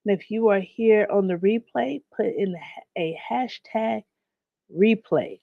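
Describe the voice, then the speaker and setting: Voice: mid-range voice, measured pace, vocal fry, dry recording, phone-quality sound. A host of a live online business series, slightly nasal from getting over a cold, teaching in a conversational way and greeting viewers in the chat by name. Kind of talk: live-streamed business lesson.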